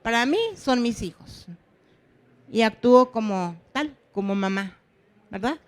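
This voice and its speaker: A woman with a Mexican accent tells a story from her preschool classroom at a workshop. Her voice sits slightly high, and she is animated, leaning into the exclamations when she quotes herself. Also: a little slow. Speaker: preschool teacher.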